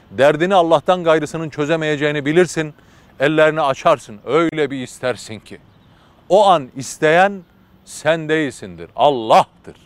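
A man's voice: fairly high pitch, no room sound. A man preaching through a religious story, told vividly and dramatically with casual fillers.

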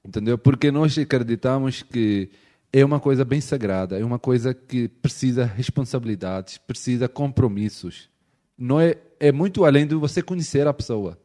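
A man with a European Portuguese accent speaks Portuguese as a non-native speaker in a relaxed conversation. He searches for words, breaks off his sentences and restarts them, and keeps checking in with his listeners. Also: mid-range voice, normal speed. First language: not Portuguese. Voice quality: hesitant, with frequent restarts and filler checks. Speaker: missionary guest. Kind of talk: casual interview chat.

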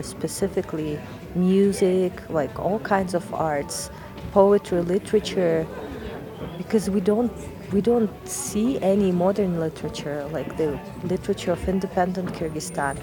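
A woman who heads a museum department, answering an interview in a deliberate, persuasive way. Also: on the low side, over music.

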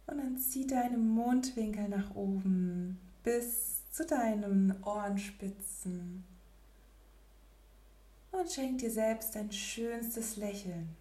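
A woman leading a guided relaxation meditation in a soft, breathy, near-whispered spa voice with gentle pauses. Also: medium pitch, echoey room. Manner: slow, gentle, with long pauses.

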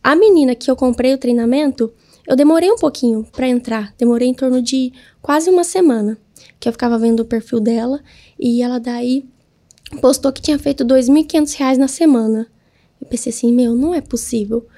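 A woman's voice: high-pitched, brisk, mellow. A woman, a guest entrepreneur, telling her story in a casual interview and acting out her own past words.

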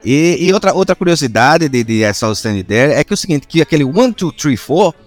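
A man's voice: a little high, fairly quick, no room sound, soft background music. Slangy Alagoas man on a dry mic. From Alagoas, Brazil. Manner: relaxed, repeats words, slangy. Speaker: podcast co-host. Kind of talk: casual podcast chat about music albums.

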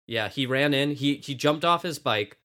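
A man with a slight lisp hosting a casual group chat, telling anecdotes in an animated way and acting out quotes. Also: mid-range voice, normal speed. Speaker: podcast host.

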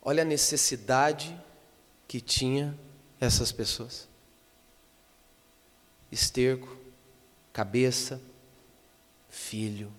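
A man preaching a sermon as pastor, dropping to a hush and then rising to loud, impassioned appeals. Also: medium pitch, steady tone, extremely slow, pauses often. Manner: impassioned, swings from hushed to loud. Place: church. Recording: long church reverb.

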